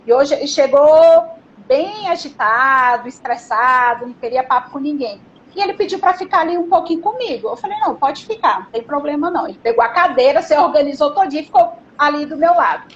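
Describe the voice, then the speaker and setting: High-voiced woman sharing school stories. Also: expressive, fairly quick, muffled recording, slight background noise. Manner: tells anecdotes from her school work. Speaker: guest, educational psychologist. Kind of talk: casual chat.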